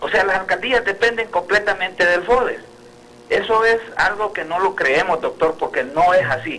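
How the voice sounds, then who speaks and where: A man speaks in a raised, projected voice with a high pitch, at a moderate pace. Noticeable background noise runs behind him. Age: 60s. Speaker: lawyer. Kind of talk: heated debate. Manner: animated.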